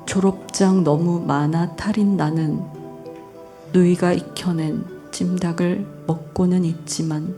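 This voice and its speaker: A woman poet speaks softly at a very slow, unhurried pace. Her voice is warm and mellow, sitting a little low. A faint wash of music can be heard behind her. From North Gyeongsang, Korea. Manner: soft, unhurried, gentle laughs. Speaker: guest poet. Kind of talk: poetry reading and radio chat. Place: public radio broadcast stage.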